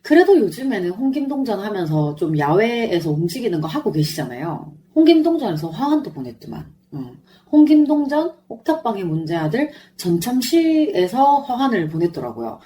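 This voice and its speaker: A woman's voice: medium pitch, normal speed, hardly any pauses. A woman podcaster chatting solo in an effusive, fannish way about a show she attended, her throat sore and strained. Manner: effusive, animated fan talk. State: sore, strained throat after singing along. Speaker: podcast host. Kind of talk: chatty solo concert review.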